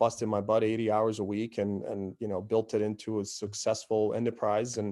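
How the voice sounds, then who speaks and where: Against a quiet background, a man with a dark, mellow tone and fairly low pitch speaks at a fairly quick pace. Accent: Croatian. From Croatia. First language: Croatian. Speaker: company founder. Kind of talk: interview. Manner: animated.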